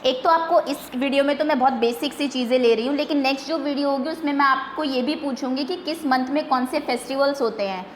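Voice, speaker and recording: A high-pitched woman teaches young children through a quiz, patient and careful, repeating each word slowly. Her voice rings in an echoey room, with faint noise behind it. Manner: patient, repeats slowly, mixes English terms. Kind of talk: online quiz lesson for young pupils.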